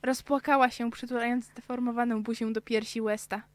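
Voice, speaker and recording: A woman's voice: fairly high pitch, little pitch movement, a little fast, no room sound. A young woman, a student voice actor, reading narration and chatting casually between takes in a small studio. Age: young adult. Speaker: student voice actor in a radio drama.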